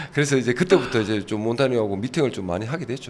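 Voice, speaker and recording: A man's voice with lively intonation. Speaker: football head coach. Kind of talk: casual talk show interview. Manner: fast.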